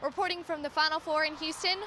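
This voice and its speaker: Bright-voiced young female field reporter. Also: high voice, steady tone, fast talker, a little hiss or hum. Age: young adult. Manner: crisp, scripted reporter delivery. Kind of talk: news report.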